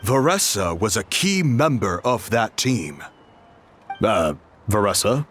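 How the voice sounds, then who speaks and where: A man's voice: fairly low pitch, takes it slowly, exaggerated voice. A man playing a friendly, earnest and hospitable young tribal guardian in an anime game. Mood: gracious, earnest. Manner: friendly, expressive. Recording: music behind the voice.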